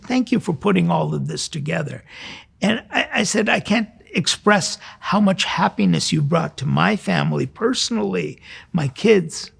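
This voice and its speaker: Gravelly older man, preaching through stories. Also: fairly high pitch. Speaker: priest and host of a religious program. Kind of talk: conversational sermon with personal storytelling.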